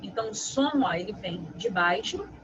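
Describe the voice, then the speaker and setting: A woman teacher giving a review lesson, explaining step by step in a didactic way and often checking in with quick tag questions. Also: medium pitch. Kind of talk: online lesson. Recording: muffled with steady background noise.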